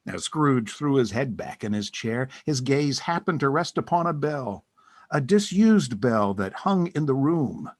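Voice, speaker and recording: A man narrating a scripted story for an audio drama in a theatrical, deliberate storytelling manner. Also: mid-range voice, big pitch swings, no echo.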